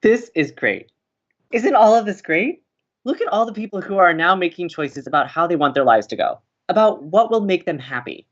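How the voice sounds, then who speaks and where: A woman playing an encouraging, excitable young college radio co-host in an audio drama. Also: fairly low pitch, moderate pace, highs cut off. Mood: upbeat. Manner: gushing, excitable.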